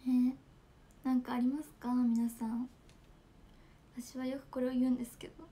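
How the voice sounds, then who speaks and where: A woman's voice: high voice, little pitch movement, normal speed, warm tone. A young woman from Japan, chatting casually with fans on a smartphone livestream, giggling and reading out comments. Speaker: idol livestreamer.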